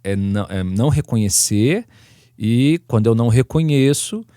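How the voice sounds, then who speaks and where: A man with a Brazilian Portuguese accent hosting a church podcast, speaking calmly and reflectively. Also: medium pitch, moderate pace, clean tone, no room sound, studio quality. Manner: calm, reflective, frequent soft backchannels. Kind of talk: casual podcast conversation.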